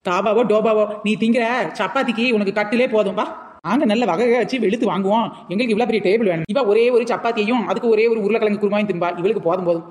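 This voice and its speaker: A woman's voice: medium pitch, rapid-fire, a little mellow, big-room sound. A woman with a Kanyakumari Tamil accent, mocking and sassy in a comic family skit.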